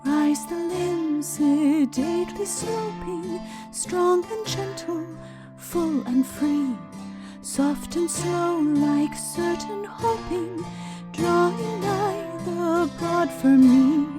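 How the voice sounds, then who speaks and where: Woman singing poetry for an audiobook, really high and drawn out, guitar behind. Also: drawn-out words. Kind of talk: singing verse as audiobook performance. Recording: music under the voice.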